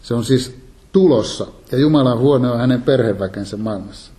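A man giving a calm, measured Bible teaching sermon, reading and explaining scripture. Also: medium pitch. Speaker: preacher.

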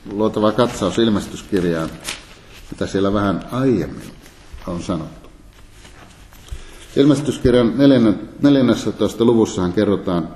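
A man giving a Bible lecture, reading scripture passages aloud in a measured way with pauses. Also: lowish voice, mellow. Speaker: Bible teacher. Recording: echoey room.

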